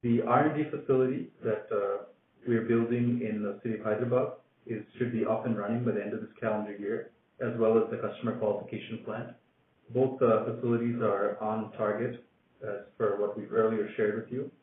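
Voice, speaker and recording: Lowish guy giving company update over phone-y line, bit of hiss. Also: steady tone, brisk. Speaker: company executive. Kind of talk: business presentation on an earnings call. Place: conference call. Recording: echoey, noisy, phone-like conference line.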